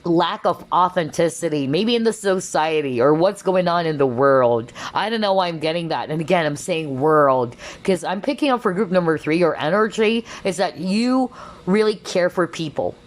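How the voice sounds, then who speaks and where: Woman, deep voice, chatty tarot reader, voice going hoarse, lots of "okay?". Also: lively intonation, moderate pace. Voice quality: strained, tiring voice. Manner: chatty, reassuring, full of fillers and "okay?" check-ins. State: losing her voice. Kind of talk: collective tarot reading.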